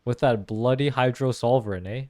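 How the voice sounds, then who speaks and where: A young man giving casual, slangy play-through reactions as an excitable gaming fan. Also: mid-range voice, moderate pace. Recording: game music behind voice.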